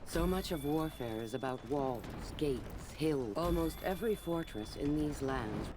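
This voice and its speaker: An actor voicing a grave, seasoned knight who recounts his homeland's wars in measured, reflective game narration. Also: fairly high pitch, expressive, heavy background noise. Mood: solemn, reflective. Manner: measured, solemn, reflective storytelling. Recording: battle ambience and clatter behind voice.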